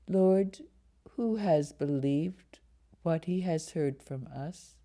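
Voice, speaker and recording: A woman reads scripture solemnly as a lay reader. Her voice is low and soft-edged, and she takes the text very slowly, phrase by measured phrase.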